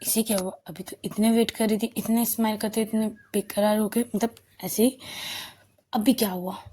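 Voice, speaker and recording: A woman's voice: mid-range voice, fairly even intonation, normal speed, dark tone, natural voice. A woman voicing a young female teacher who wonders aloud what is bothering someone. Her manner is musing and puzzled.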